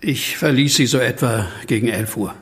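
A man's voice: mid-range voice, normal speed, husky, close to an everyday voice. An actor playing an anxious, troubled man who fears he is a werewolf, brooding and hesitant, in a horror audio drama. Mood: uneasy.

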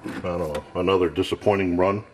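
A man's voice: low-pitched, fairly even intonation, fairly quick, slight background noise. A man casually narrating a camping stove test off camera in a cluttered home workshop, thinking aloud in a plain, matter-of-fact way. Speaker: gear tester.

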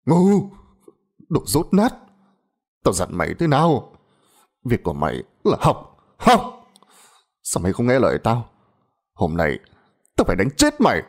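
A man's voice: on the low side, lively intonation, fast talker, long pauses. A man playing a furious, cursing farmer father. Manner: shouting, cursing, gruff. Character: harsh, furious middle-aged farmer father.

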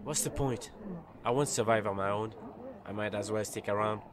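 A man's voice: fairly low pitch, moderate pace, close to an everyday voice. A young man playing a selfish, cowardly, scornful student survivor in an audio drama, arguing in exasperation. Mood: bitter sarcastic. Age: young adult. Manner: argumentative, exasperated. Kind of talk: amateur audio drama acting. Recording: noisy background ambience.

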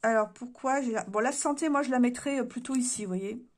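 A woman's voice: on the high side, brisk. A woman doing a casual card reading to camera indoors, musing aloud with many hesitations and her voice giving out. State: voice giving out, clears throat. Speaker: card reader. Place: room indoors.

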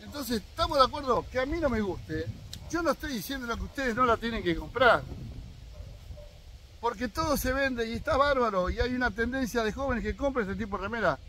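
An Argentine man in his sixties talks outdoors on his own land, sharing firm opinions directly with his viewers. His voice sits high and bright, and his pitch swings widely as he makes his points. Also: animated, brisk, slight background noise. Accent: Argentine Spanish. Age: 60s. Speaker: fishing vlogger. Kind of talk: casual opinion monologue.

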